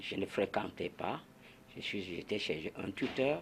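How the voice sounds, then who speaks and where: Very slowly and at a fairly low pitch, a man speaks. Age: 70s. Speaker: veteran runner. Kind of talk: TV interview. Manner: halting.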